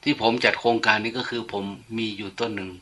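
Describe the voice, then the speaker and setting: A man's voice: lowish voice, steady tone, fast talker, bright, forceful tone, slight background noise. An older man, a monk, giving an informal, chatty sermon full of anecdotes and light humor. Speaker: monk giving a dharma talk.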